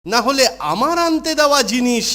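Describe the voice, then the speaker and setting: A man's voice: very high-pitched, a little fast, bright, forceful tone. A man voicing a stern, grumpy older hostel master who scolds and orders in a children's cartoon. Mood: angry scolding. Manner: scolding, commanding. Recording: music behind the voice.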